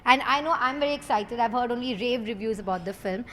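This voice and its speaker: A woman's voice: fairly high pitch, fast talker, fairly bright tone. A woman hosting a conversational celebrity interview in an effusive, complimentary way. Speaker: interviewer, host. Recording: reverberant hall with background noise.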